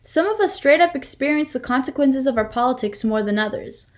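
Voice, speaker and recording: A woman's voice: sits high, lively intonation, brisk. A young adult woman performing a scripted first-person monologue in a reader's theater style.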